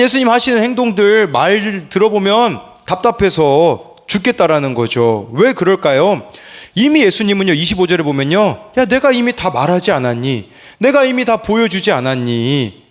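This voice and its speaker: Man in his thirties, pastor, morning sermon, high voice, very expressive pitch, asks the congregation questions. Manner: animated, asks the listeners questions, acts out quotes. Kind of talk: early-morning devotional sermon.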